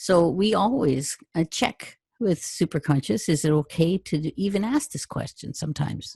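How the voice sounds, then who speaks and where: Somewhat breathy and fairly low, a woman's dark, mellow voice moves with lively intonation and hardly any pauses, the sound dry and close with no echo. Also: moderate pace. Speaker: podcast host, hypnotherapy trainer. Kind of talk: casual interview chat.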